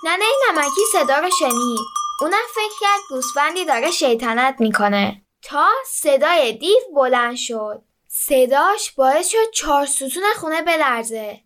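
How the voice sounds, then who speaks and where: A woman narrates a children's story in a high, bright voice. She tells it in a lively and expressive way. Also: a little hiss or hum.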